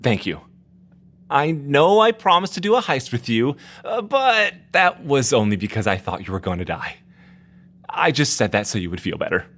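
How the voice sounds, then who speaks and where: Sheepish, lively-voiced casual superhero. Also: male voice, mid-range voice. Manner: casual, hesitant, joking. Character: sheepish, chatty superhero man making excuses. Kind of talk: comedy audio adventure acting.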